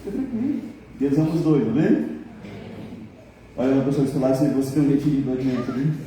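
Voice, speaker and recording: In an echoey church hall recorded from afar, a middle-aged pastor speaks quickly and expressively at medium pitch amid background noise. His sermon is funny, full of jokes, teasing of the congregation, and impressions of people.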